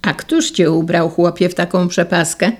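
A woman's voice: mid-range voice, big pitch swings, moderate pace, vocal fry, mellow, breathy edge, heavily acted. A woman reading the part of an ironic young man, a former schoolmate, in a storybook reading. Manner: ironic, teasing.

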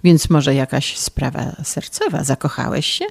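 A woman's voice: extremely low pitch, a little slow, vocal fry, a little mellow, husky, no room sound, voice pushed down, exaggerated voice. A woman voicing an elderly bald scholar uncle who talks in a coaxing, bemused way in an audiobook reading.

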